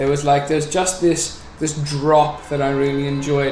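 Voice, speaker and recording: Against noticeable background noise, the speaker keeps a moderate pace. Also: man. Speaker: podcast host. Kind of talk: casual podcast conversation.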